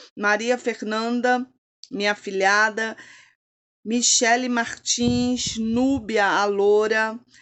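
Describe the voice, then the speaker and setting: Very slowly, a woman speaks in a fairly high pitch with monotone, flat intonation. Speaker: pastor. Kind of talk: casual shout-outs to viewers; sermon. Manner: warm, affectionate.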